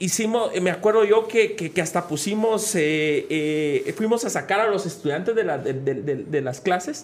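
A man's high-pitched voice with a Guatemalan accent, at a fairly slow pace. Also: hardly any pauses. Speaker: podcast host and town mayor. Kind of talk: interview.

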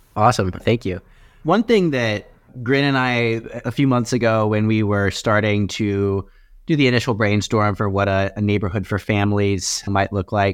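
A man speaks in a normal speaking voice with a fairly low pitch. His pace is moderate and his intonation fairly even. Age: 20s. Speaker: podcast host. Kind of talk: casual interview chat.

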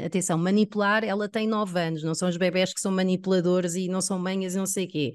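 Her pitch fairly low and her intonation mostly level, a woman talks in an unremarkable speaking voice. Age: 30s. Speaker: mother and radio personality. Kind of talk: podcast interview, personal testimony.

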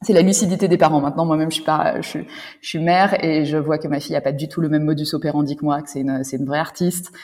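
With fairly even intonation, a woman speaks in a very deep, low pitch. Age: 30s. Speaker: yoga teacher and former lawyer. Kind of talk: interview conversation. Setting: studio. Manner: hesitant, many fillers.

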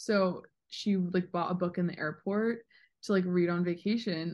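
A woman's normal speaking voice of medium pitch, with an American accent, ordinary pitch variation and a moderate pace, over a quiet background. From Georgia, US. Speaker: actress. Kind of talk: interview. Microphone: glitchy connection.

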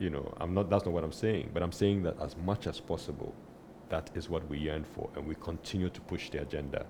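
Moving at a fairly quick pace, a man speaks in a very deep, low pitch with a dark, mellow tone and ordinary pitch variation. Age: 50s. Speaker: entrepreneur. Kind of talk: talk to a church audience.

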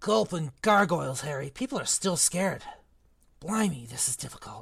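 Putting on a character voice, a woman speaks low-pitched at a moderate pace with lively intonation, vocal fry and a slightly husky edge.

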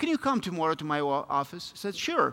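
In a Russian accent, a man speaks with a bright, sharp tone. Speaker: pastor and missionary. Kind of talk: sermon.

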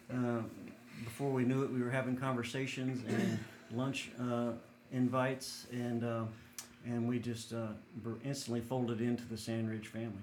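In a Tennessee accent, a man speaks with monotone, flat intonation at a moderate pace and medium pitch, taking long, frequent pauses amid audible room echo. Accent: Southern US (Tennessee). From West Tennessee, US South. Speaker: doctor and former missionary. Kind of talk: testimony.

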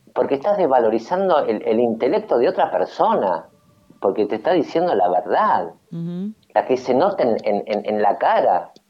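The pitch swings very widely while the speech moves at a moderate pace. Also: man, fairly high pitch for a man. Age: 50s. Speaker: regular commentator. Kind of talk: opinionated radio chat. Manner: animated.

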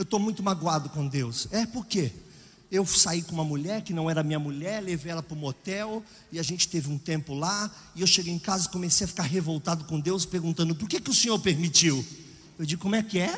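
This man speaks fairly quickly. His voice sits high in pitch. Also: ordinary pitch variation. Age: 50s. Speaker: pastor. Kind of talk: sermon.

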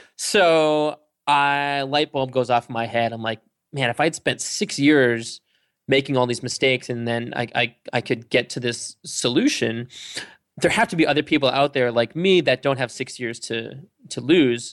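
An unremarkable speaking voice from a man with an American accent, medium pitch and ordinary pitch variation, at a moderate pace, dry and close with no echo against a quiet background. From Massachusetts. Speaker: fitness blogger and author. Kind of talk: casual interview.

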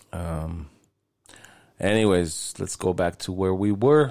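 A man with a fairly low voice speaks at a fairly slow pace, his pitch varying in an ordinary way. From United States (born in Israel, raised in the US). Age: 40s. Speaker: podcast host. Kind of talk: casual monologue. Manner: halting, many fillers.

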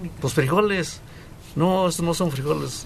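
Over noticeable background noise, a man holds a moderate pace and varies his pitch in an ordinary way. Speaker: radio co-host. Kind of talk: casual chat.

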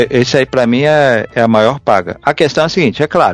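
A man with an unremarkable speaking voice, medium pitch and a fairly quick pace, in a dry, close sound with no echo. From Minas Gerais, Brazil (Belo Horizonte). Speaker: blind musician and computer course creator. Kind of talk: interview.

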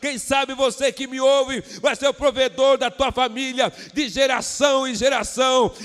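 A man talks at an extremely high pitch with fairly even intonation and hardly any pauses. Noticeable background noise runs underneath. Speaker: pastor. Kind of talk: sermon.

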